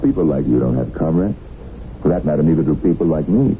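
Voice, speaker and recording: An actor playing a wry, unflappable rich man of about fifty held captive in a radio drama, speaking in a sardonic, deliberate way. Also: very deep voice, animated. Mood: mocking. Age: middle-aged. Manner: sardonic, deliberate, drawn-out phrasing. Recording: tinny, hissy old radio recording.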